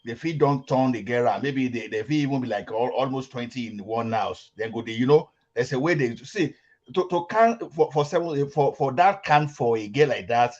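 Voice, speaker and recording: A man's voice: medium pitch, darkish tone. Emphatic man from Lagos on a muffled call. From Lagos, Nigeria. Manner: emphatic, halting, repeats himself, mixes in pidgin. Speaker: discussion participant. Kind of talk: heated group chat on a call. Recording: muffled online call audio.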